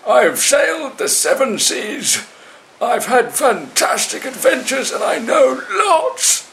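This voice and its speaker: A man's voice: very high-pitched, big pitch swings, takes it slowly, gravelly, fairly bright tone, a little hiss or hum, pitched above the performer's own voice, full character voice, low-quality recording. A man voicing a cheeky, half-drowned male macaque who lies and then begs for help, gasping, in a storybook tale. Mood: desperate.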